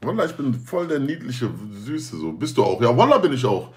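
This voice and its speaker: A man's voice: mid-range voice, big pitch swings, a little fast, darkish tone. A young man talking casually to viewers on a livestream, slangy and joking, often swearing oaths. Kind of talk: casual stream chat.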